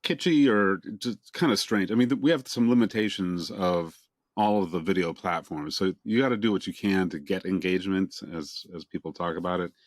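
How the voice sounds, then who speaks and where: Low-voiced man hosting a video interview. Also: moderate pace, no room sound, studio quality. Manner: relaxed, joking, asks long questions. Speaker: interview host. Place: home office in Boston. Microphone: camera on a video call.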